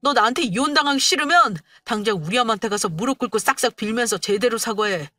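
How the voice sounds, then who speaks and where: A woman voicing a hot-tempered young husband who shouts accusations in defense of his mother. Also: on the high side, fast talker, no room sound, studio quality, soft background music. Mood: angry shouting.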